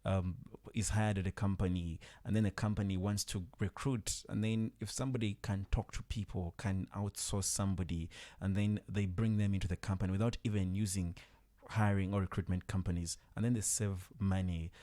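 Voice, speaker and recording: A man interviews a guest in a radio studio. His voice is deep and dark, with a relaxed tone. He phrases things thoughtfully and a bit hesitantly, dropping in brief affirmations. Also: fairly quick, few pauses.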